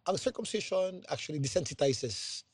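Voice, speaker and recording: A man's voice: a little high, expressive, a little fast, husky, no room sound, studio quality. A man, a podcast guest explaining facts in an informative way during casual chat. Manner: explains facts in an informative tone, mixing Filipino and English.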